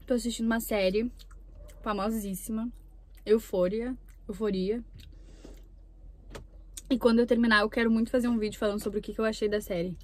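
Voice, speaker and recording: Young woman from brazil, kinda high voice, chatting while she eats in her car. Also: steady tone, fairly quick, long pauses, a little mellow. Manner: chatty, talks between bites. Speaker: mukbang YouTuber. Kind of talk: casual chat while eating. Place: inside a parked car. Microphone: camera on the dashboard.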